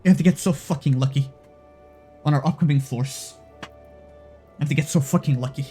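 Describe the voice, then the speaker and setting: A man's voice: mid-range voice, brisk, dark tone, faint music behind. A man streaming a game live, shaken and stressed, swearing and repeating himself.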